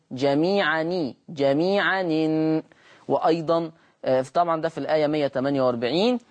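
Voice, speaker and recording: A man teaching Quran recitation on a broadcast lesson, patiently repeating words slowly to demonstrate their sounds. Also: on the high side. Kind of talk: televised Quran lesson, explaining Warsh reading.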